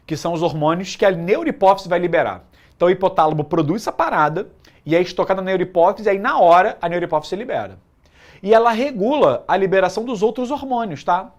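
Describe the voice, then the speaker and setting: Lively slangy man teaching biology. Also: high-pitched. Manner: slangy, joking, lively lecturing. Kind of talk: live online exam-prep class.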